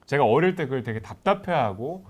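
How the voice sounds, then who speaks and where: A man's voice: mid-range voice, brisk, slightly rough. A man in his forties, a podcast host, casually telling a long personal story in a chat. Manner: animated, rises sharply when recalling anger.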